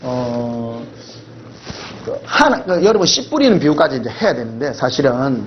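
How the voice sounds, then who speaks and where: In a room with audible echo and noticeable background noise, a man speaks with a Gyeongsang accent. His pace is fairly slow and his intonation lively. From Gyeongsang region, South Korea. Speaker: pastor. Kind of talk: sermon.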